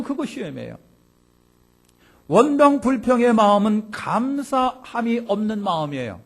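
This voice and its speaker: A man preaching a Sunday sermon as pastor, emphatic, swinging between loud exclamations and low asides and acting out complaining voices. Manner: acts out complaining voices of the congregation.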